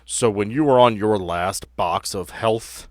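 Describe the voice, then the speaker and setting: A man's voice: on the low side, unhurried, a little mellow, dry recording, clean studio sound. A man acting as game master, narrating and refereeing a tabletop game in a casual, explanatory way with vivid descriptions.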